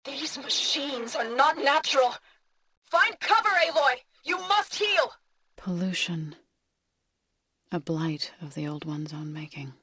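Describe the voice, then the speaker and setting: A woman's voice: a little high, big pitch swings, pushed and bright, breathy edge, no echo, full character voice. Game heroine: tribal woman warrior-healer, earnest, resolute, formally spoken, dry studio-clean sound. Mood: urgent battle shouting, then earnest, caring. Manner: measured, formal, earnest phrasing. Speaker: video game voice actor. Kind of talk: game character voice lines.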